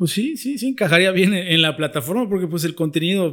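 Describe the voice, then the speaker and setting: A man speaks with a Yucatecan accent and lively intonation. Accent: Yucatecan Mexican Spanish. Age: 30s. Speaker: chef and social media content creator. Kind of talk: casual interview chat. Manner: colloquial, casual.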